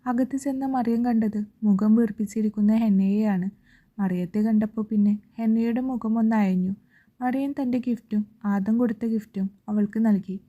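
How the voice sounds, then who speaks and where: Female storyteller, steady romance narration, dull lo-fi sound. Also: on the high side, normal speed.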